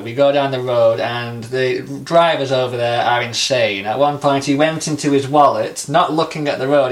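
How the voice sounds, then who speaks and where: A young man tells a long travel anecdote on a casual podcast. His pitch sits in a mid range, and his manner is relaxed and easily amused. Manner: chatty storyteller, relaxed and self-amused. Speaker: podcast co-host.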